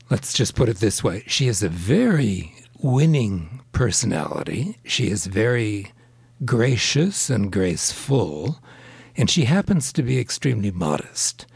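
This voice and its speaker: A man, a translator, speaking hesitantly with many pauses and ums in an interview. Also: lowish voice, creaky, breathy edge, no echo. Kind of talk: radio interview.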